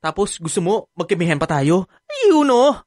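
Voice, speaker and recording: A man's voice: high voice, huge pitch swings, normal speed, darkish tone, dry recording, clean studio sound. An actor playing a sassy, dramatic, effeminate gay man in a radio drama, with a Filipino accent and campy, exasperated delivery. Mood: flustered, protesting.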